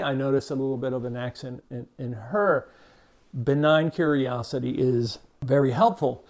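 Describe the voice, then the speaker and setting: An older man, born in Cuba and raised in Miami, with a Cuban-American accent, speaking to camera as a behavior expert in a measured, unhurried way with frequent "uh" fillers. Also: medium pitch, darkish tone. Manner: measured, unhurried, with many "uh" fillers and small restarts. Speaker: behavior expert, channel host. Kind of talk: reflective talk to camera.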